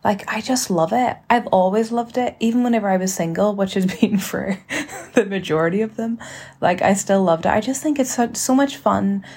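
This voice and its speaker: A woman in her twenties hosting a casual solo podcast, chatty and rambling in an informal, relaxed way. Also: mid-range voice, moderate pace. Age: 20s. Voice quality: relaxed, slightly husky. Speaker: podcast host.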